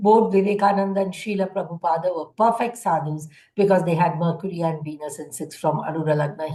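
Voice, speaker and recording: The woman's pitch sits fairly low. There is a somewhat breathy quality to it. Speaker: astrology teacher. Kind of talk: lecture. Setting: conference presentation. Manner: fast; halting.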